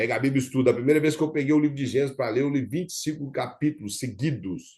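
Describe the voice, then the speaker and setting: A somewhat breathy man's voice, fairly high in pitch, at a very fast pace with ordinary pitch variation. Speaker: bible teacher. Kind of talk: lecture. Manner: halting.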